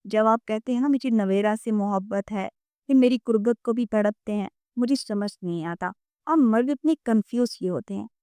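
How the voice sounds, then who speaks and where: A woman reading the part of a proud young wife who speaks in a flat, composed way. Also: medium pitch, dry recording, natural voice. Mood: wry.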